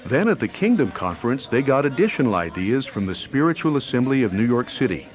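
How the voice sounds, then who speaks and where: A man's voice: medium pitch, very animated, fast talker. A man reading scripted narration for a newsreel as its narrator. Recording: music bed under narration. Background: faint music.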